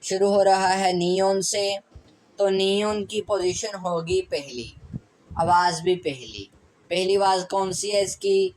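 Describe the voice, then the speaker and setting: Slow, patient teacher with a Pakistani Urdu accent. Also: mid-range voice, darkish tone, rough recording. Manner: patient, repeats sounds slowly, reassuring. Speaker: Korean language teacher. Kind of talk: step-by-step language lesson.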